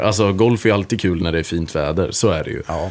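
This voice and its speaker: There is lively intonation in a normal speaking voice that keeps to a moderate pace. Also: man. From Sweden, Vättern area (Östergötland or Västergötland). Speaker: golf podcast co-host. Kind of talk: casual chat.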